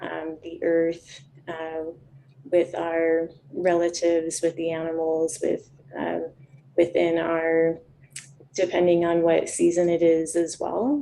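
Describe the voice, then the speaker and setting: In a western Canadian accent, a woman speaks at a very slow pace with long, frequent pauses, fairly low pitch, monotone, flat intonation and a dark, mellow tone. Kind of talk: interview. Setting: video call.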